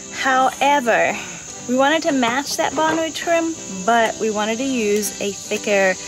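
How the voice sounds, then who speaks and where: Over faint background music, a woman speaks at a fairly slow pace in a high voice. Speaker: bus conversion vlogger. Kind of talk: casual vlog chat. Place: open country. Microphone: phone near.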